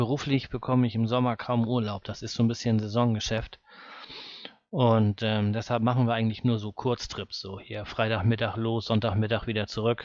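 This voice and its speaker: A man's medium-pitched voice stays monotone and flat as he talks at a moderate pace. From Schleswig-Holstein, northern Germany (near Flensburg). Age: 40s. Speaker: podcast co-host. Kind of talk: casual chat.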